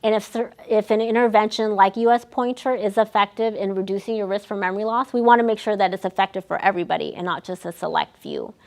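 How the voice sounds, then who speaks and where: A woman's voice: medium pitch, fast, vocal fry, few pauses, darkish tone. Woman presenting a health talk with ums. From United States. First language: Vietnamese. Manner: frequent ums, self-restarts, friendly explaining. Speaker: research staff presenter. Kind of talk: educational talk to seniors.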